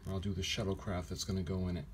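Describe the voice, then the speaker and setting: Male hobby host, lower register, halting off-the-cuff tutorial delivery, homemade recording with faint noise behind. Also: flat delivery. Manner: halting, thinking aloud. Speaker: hobby model builder, video host. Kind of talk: casual hands-on tutorial narration. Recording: noisy handheld home video sound.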